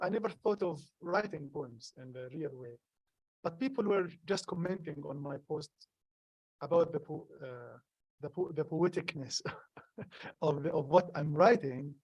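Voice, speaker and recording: A young man from Gaza whose first language is Arabic, a poet answering questions at a live event, halting and earnest with many restarts. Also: a little high, a little mellow, husky, no echo, low-quality recording. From Gaza, Palestine. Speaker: poet, guest. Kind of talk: live conversation at a public event.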